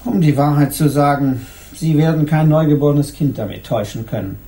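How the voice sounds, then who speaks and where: An actor playing a dry, candid jewellery craftsman in a radio play, with a creaky voice and a matter-of-fact manner. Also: a little high, brisk, dark tone, lightly acted. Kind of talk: German radio play acting.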